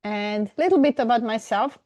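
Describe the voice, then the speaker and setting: A middle-aged woman from Serbia with a Serbian accent, a professor giving a webinar presentation, pausing often with fillers and restarts. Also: a little high, a little mellow, no room sound. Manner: halting, many fillers and restarts.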